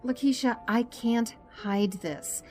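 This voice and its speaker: An actress playing a caring, principled doctor in an audio drama, earnest and gently firm. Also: female voice, a little high, slow, faint music behind. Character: caring, principled woman doctor, torn by duty.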